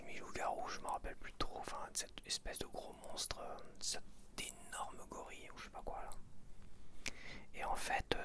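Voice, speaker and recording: Male ASMR host from France, fully whispered and breathy; intimate, unscripted rambling with halting phrasing, spoken to one listener. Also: very high voice. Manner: hesitant, halting, intimate, addresses one viewer informally.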